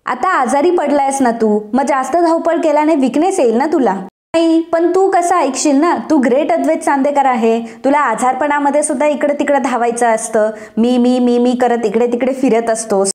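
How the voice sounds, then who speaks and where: A woman's voice: high voice, normal speed, darkish tone, natural voice. A woman voicing a bossy but caring young wife who scolds and gives orders. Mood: indignant. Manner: scolding, commanding.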